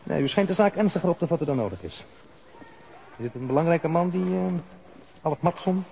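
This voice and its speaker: Polite, officious police official, faint noise. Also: male voice, a little high, lively intonation, fairly quick, gravelly, a little mellow. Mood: guarded, officious. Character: courteous, evasive Hungarian police official, matter-of-fact. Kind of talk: Dutch radio play acting.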